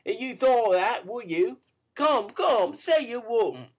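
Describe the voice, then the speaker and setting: A man's voice: extremely high pitch, animated, slow, voice pushed up, full character voice. A man voicing a weary pleading young woman. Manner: soft pleading tenderness.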